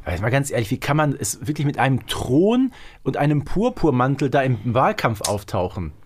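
Man, podcast co-host, mid-range pitch, casual conversational delivery, informal chat. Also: sing-song, fairly quick, a little hiss or hum. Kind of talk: casual chat about an audio drama series.

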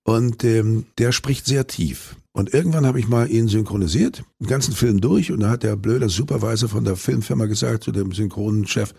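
Brief: older male actor, deep gravelly timbre, loose anecdotal delivery with restarts, dry close sound. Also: moderate pace, few pauses, mellow, no echo. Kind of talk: interview answers.

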